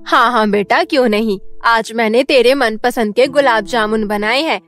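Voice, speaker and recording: Actress as a scornful cartoon stepmother, high and sharp, scolding constantly. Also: moderate pace, faint music behind, close to an everyday voice. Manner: shrill, scornful, nagging. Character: scolding mean stepmother, middle-aged woman. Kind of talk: cartoon voice acting.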